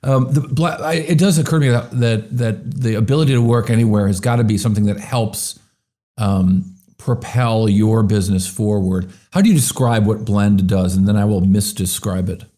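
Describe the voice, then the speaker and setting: A man's voice: lowish voice, normal speed, warm tone. A man hosting a business talk show, talking in a chatty, opinionated way with plenty of fillers. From US Midwest. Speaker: show host.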